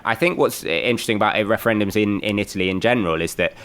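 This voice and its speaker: Man, deep voice, informal, explanatory, conversational panel discussion. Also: very fast, fairly bright tone, smooth.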